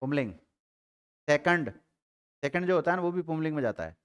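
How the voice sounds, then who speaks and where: A man teaching Hindi grammar to a live class, drilling students and repeating letters slowly, with a Rajasthani Hindi accent. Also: a little high, expressive, clean tone.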